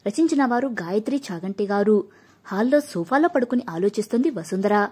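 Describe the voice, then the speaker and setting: A woman storyteller narrating an audiobook story in a calm, steady reading voice. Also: mid-range voice, a little fast, breathy edge.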